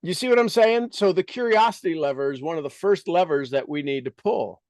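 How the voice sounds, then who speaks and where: A man speaks as a business coach, motivating listeners with rhetorical questions, emphatic repeated phrases, and intentional pauses. His voice is a little high, expressive, and slightly mellow, with no room sound.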